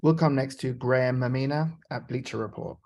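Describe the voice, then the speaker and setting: A man with a medium-pitched voice moderates a conference call. He gives short, formal hand-offs to each questioner. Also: fairly quick, darkish tone. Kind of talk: brief formal call introductions.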